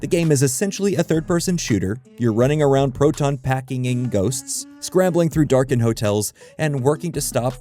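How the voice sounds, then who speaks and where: A man's voice: medium pitch, dark tone. A man narrating a scripted video essay in a wry, conversational way, with dryly humorous asides. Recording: music bed under the voice. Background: background music.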